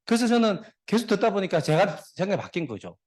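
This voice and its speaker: Middle-aged male guest speaker, joking storyteller, rapid and lively. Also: high voice, slightly rough. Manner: jokey storyteller, dad jokes, talks to the audience. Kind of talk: motivational speech.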